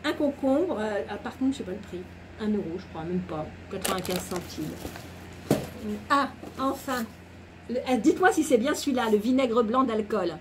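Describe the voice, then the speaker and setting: A woman's voice: fairly high pitch, lively intonation, moderate pace. Chatty woman with a noisy recording. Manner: chatty and rambling, laughs at herself. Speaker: vlogger. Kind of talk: casual grocery haul chat.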